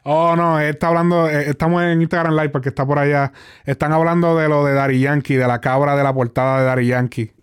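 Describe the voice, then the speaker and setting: A male interviewer with a Caribbean Spanish accent chats in easy Spanglish, sliding between Spanish and English. His voice is fairly high and clean, with a smooth, resonant tone. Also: little pitch movement, fast. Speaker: interviewer and show host. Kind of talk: casual conversational interview.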